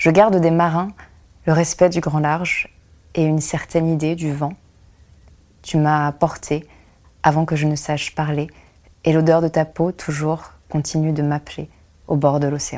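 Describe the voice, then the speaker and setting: On a very clean recording with a silent background, a woman speaks at a fairly slow pace with long, frequent pauses, a very deep, low pitch and monotone, flat intonation. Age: young. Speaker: poet and novelist. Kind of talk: poetry reading; interview.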